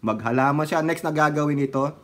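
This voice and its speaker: Brisk and fairly bright, this slightly high male voice carries a Filipino accent. As a political commentary vlogger, he delivers sarcastic, casual commentary, often laughing and slipping into snatches of song.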